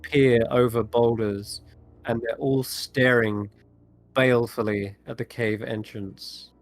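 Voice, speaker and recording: A man's voice: mid-range voice, steady tone, takes it slowly, faint music behind. A man narrating a tabletop role-playing game as game master, describing scenes and asking players what they do.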